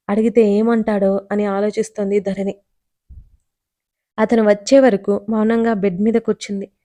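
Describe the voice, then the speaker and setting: A woman narrating a scripted audio story in a steady, even reading. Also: mid-range voice, no room sound.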